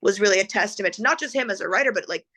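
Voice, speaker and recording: A chatty middle-aged woman with a bright, forceful voice, talking casually as an interview guest. She laughs often between thoughts and gets choked up as she remembers. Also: mid-range voice, racing. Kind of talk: casual conversation.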